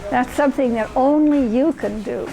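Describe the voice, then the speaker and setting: A woman's voice: sits high, normal speed, vocal fry, poor audio. An older woman from Hawaii, reminiscing fondly and rambling a little as she searches for words. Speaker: interviewee. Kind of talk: personal reminiscence.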